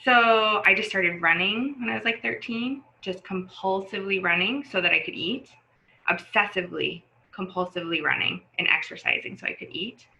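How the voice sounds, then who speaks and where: A woman's voice: mid-range voice, normal speed, gravelly, pushed and bright, low-quality recording. A woman in her forties talking as a podcast guest, chatty and rambling, with lots of fillers and restarts. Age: 40s. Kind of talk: casual conversation.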